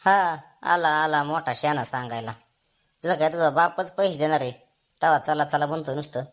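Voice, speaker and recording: A man's voice: fairly high pitch, normal speed, a bit bright, natural voice. A commanding family father from a comedy cartoon, acted by a man. He speaks colloquially with a rural Maharashtrian accent. He likes to take charge of everyone. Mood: irritated. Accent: rural Maharashtrian Marathi. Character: bossy village father, gruffly chiding, then agreeable. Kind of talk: Marathi comedy cartoon dialogue.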